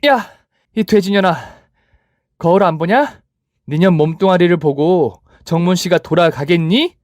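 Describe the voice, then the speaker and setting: A man's voice: a little high, sing-song, moderate pace, no echo, clean studio sound. A man voicing a tough, vengeful young woman who mocks with crude insults. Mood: gloating. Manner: taunting, crude.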